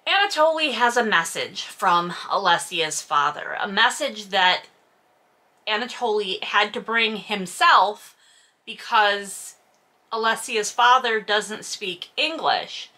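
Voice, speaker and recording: A woman's voice: mid-range voice, expressive, slow, bright, forceful tone. A woman hosting a casual read-along, giving mocking, exasperated commentary on a novel with sarcasm and some swearing. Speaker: host reading a novel aloud with commentary.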